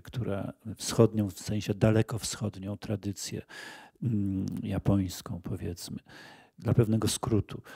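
A male moderator leads a literary discussion in a slow, halting way, full of fillers. His low voice is dark, husky and gravelly. The recording is dry. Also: dry recording.

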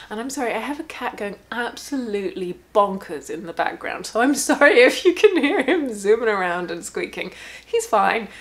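A woman who works as a therapist, talking candidly at home in a rambling, reflective way with sarcastic asides. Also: mid-range voice. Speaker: therapist and channel host. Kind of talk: casual reflective monologue. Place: home room.

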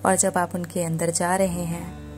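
A woman guiding a meditation in a soothing, deliberate manner. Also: lowish voice, flat delivery, darkish tone. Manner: soothing, deliberate, repetitive instruction. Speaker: meditation guide. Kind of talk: guided meditation narration. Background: background music.

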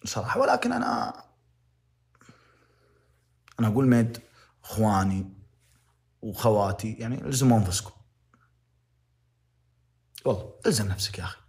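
A man's voice: fairly low pitch, sing-song, a little fast, pauses often. A young man with a Saudi accent giving impassioned, moralizing livestream commentary, repeating phrases to press his point. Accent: Saudi Arabic.

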